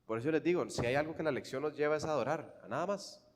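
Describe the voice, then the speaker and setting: A man with a Costa Rican accent preaching a sermon, swinging fervently from hushed, quiet lines to loud, emphatic ones. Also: a little high, racing, long reverb tail. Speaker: pastor.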